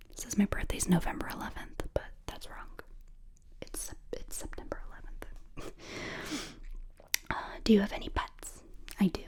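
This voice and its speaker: A woman in her twenties from the United States, whispering ear to ear as she answers viewer questions in a relaxed, chatty way. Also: medium pitch, husky. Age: 20s. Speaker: ASMR creator. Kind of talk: whispered ASMR Q&A. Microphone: close binaural mic.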